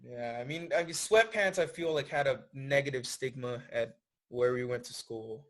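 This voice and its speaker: A relaxed young man from Thailand chats as a podcast guest, speaking at an ordinary pitch. He answers in an easygoing, thoughtful way. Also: normal speed. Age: 20s. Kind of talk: casual interview chat.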